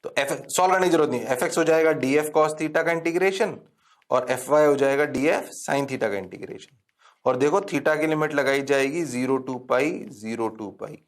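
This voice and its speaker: A man's voice: medium pitch, normal speed. A man teaching a physics lecture, playful, chanting formulas and answering himself in a mock student voice. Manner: sing-song repetition of formulas. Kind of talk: classroom lecture.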